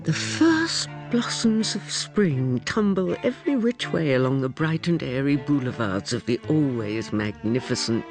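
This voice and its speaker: A performer narrating a radio drama as a flamboyant storyteller who addresses the listeners directly. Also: mid-range voice.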